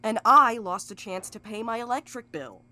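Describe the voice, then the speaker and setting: An actress in an audio drama playing a cynical, sharp-tongued schemer with a wry, blunt, folksy way of talking. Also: female voice, on the high side, normal speed. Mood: sardonic.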